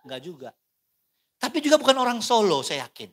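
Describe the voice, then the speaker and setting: Male pastor, lively playful sermon delivery with a bright, forward tone. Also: sits high, fairly quick. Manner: animated, playful, questioning the congregation.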